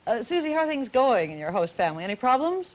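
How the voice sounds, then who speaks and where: A woman moderating a student forum on an old broadcast, asking poised, brisk questions. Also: on the high side, sing-song. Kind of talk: scripted archival broadcast moderation. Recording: dull old archival broadcast audio.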